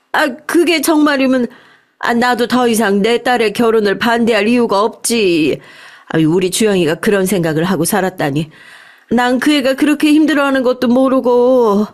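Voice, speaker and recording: A woman's voice: medium pitch, natural voice. A woman voicing a careworn middle-aged mother in story dialogue, with a pleading manner. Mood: apologetic, tearful. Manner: pleading, sighing interjections.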